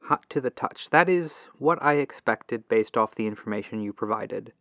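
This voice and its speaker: A man's voice: mid-range voice, animated, moderate pace, creaky, no room sound. A man playing a patient, polite tech support agent in an ASMR roleplay phone call, reassuring and methodical, through a lo-fi telephone filter. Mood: patient, instructive. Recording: dull lo-fi telephone sound.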